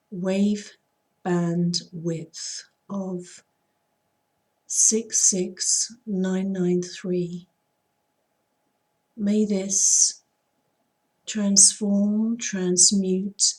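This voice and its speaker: A woman with a husky, throaty voice, hoarse after being ill, who talks softly and without hurry. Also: mid-range voice, low-quality recording. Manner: soft, unhurried, intoning. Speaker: spiritual healer. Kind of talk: slow chanted healing invocation; casual chat to viewers.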